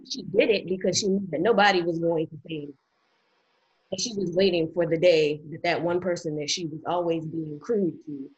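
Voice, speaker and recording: A woman's voice: low-pitched, husky, highs cut off. A woman who gives earnest advice in casual talk and sometimes restarts her words. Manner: earnest, reflective, some stammered restarts.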